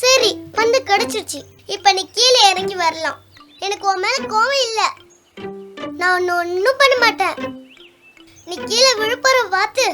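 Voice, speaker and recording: A woman's voice: very high-pitched, moderate pace, long pauses. A woman voicing a friendly, timid young puppy with an earnest childlike manner in a children's cartoon. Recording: loud music behind the voice.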